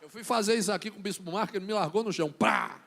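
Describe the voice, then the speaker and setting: A Brazilian man preaching a sermon, acting out little scenes and building to shouted lines. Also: high voice, very fast. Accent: Brazilian Portuguese. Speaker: bishop preaching.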